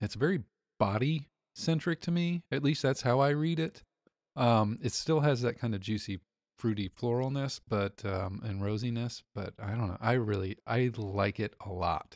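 A man with an American accent, a plain, everyday voice, medium pitch, lively intonation and a moderate pace, recorded with a dry, close sound with no echo against a quiet background. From US Midwest (Indianapolis, Indiana). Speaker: podcast co-host, fragrance reviewer. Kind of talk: casual chat.

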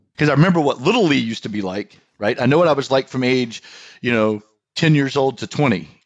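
This man talks at a very fast pace with lively intonation, the background quiet. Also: medium pitch for a man. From North Carolina. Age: 50s. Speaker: army veteran and fitness program client. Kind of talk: podcast interview, personal story.

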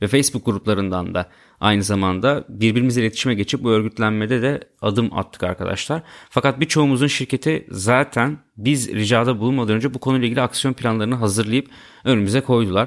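Speaking at a very fast pace with very even loudness, a man is heard on a very clean recording against a silent background. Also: medium pitch for a man, ordinary pitch variation. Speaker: podcast host. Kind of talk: casual interview.

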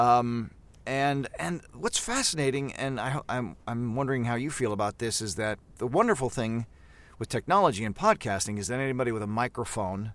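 A man with a plain, everyday voice talks at medium pitch and a moderate pace with lively intonation, on a very clean recording with a silent background. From Canada. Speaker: voice actor. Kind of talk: casual interview chat.

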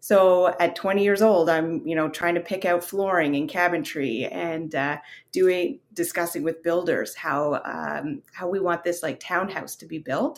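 Speaking in a normal speaking voice with a Canadian accent, a woman at a fairly low pitch and ordinary pitch variation goes at a fairly slow pace with hardly any pauses. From Canada, military family. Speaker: real estate investor. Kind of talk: interview.

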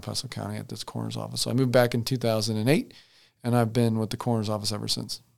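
A man's medium-pitched, monotone delivery with flat intonation, on a very clean recording with a silent background. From US Midwest, Indiana. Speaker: county coroner, forensic pathologist. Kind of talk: interview.

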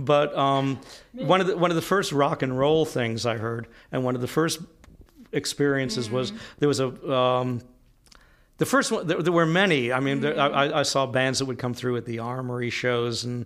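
The speaker has an American accent and talks at a moderate pace. The pitch varies in an ordinary way. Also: man, medium pitch for a man. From rural Florida. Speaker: record producer. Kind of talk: interview. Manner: halting.

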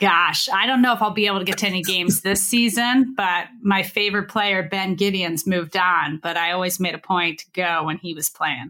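A woman with an unremarkable speaking voice, medium pitch, ordinary pitch variation, a fairly quick pace and hardly any pauses. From US Midwest, born in Upper Peninsula, Michigan. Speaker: CEO and former private equity executive. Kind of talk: interview conversation.

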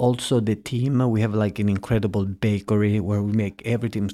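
A man with an Italian accent, fairly low-pitched and dark, mellow in tone, in monotone, flat intonation on a very clean recording with a silent background. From southern Italy. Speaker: executive chef. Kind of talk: interview. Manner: halting.

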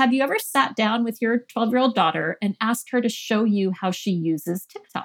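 A woman with a plain, everyday voice talks at a fairly quick pace, her fairly high pitch carried by lively intonation. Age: 40s. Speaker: author and workplace generations expert. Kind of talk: interview.

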